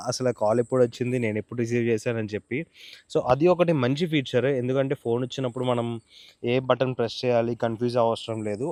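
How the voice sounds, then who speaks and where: A man's voice: mid-range voice, darkish tone, no echo, clean studio sound. A man with a Telugu Indian accent giving a casual, explanatory product tutorial, mixing English words into his informal speech. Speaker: motovlogger reviewing and demonstrating gear.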